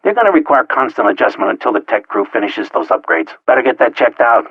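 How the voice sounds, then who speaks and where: A man voicing an excitable, hostile facility guard in a video game, with slightly dull lo-fi sound. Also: mid-range voice, fast talker, breathy edge, dry recording. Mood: matter-of-fact. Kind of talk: video game enemy dialogue.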